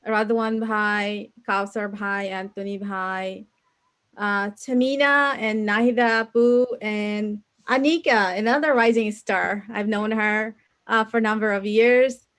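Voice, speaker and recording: A woman's voice: medium pitch, steady tone, measured pace, fairly bright tone. A woman from Bangladesh, a council candidate and attorney, answering interview questions earnestly over a video call and listing names and groups one by one.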